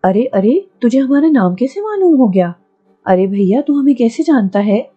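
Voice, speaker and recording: A woman's voice: sits high, very animated, normal speed, husky, narrow, tinny audio, soft background music, voice pushed up, exaggerated voice. A woman voicing a rustic elderly village uncle, blunt-spoken but kindly, fussing and scolding in a folksy way. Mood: astonished.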